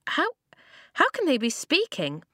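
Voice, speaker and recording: A woman's voice: high-pitched, wildly swooping pitch, unhurried, bright, forceful tone, no room sound, voice pushed up, exaggerated voice. A practical young boy, voiced by a woman narrator, sounds earnest and puzzled. He talks urgently, as a storybook adventurer, in a very dry recording. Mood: baffled. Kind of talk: children's audiobook character voice.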